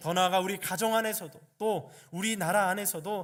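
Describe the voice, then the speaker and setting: A man talks at a fairly quick pace in a high pitch. The recording is very clean, with a silent background. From Chungcheong Province, Korea. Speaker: pastor. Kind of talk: sermon. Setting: church.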